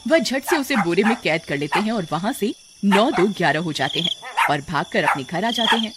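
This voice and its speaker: A woman narrating a cartoon storybook in an even storytelling manner. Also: medium pitch, moderate pace, heavy background noise.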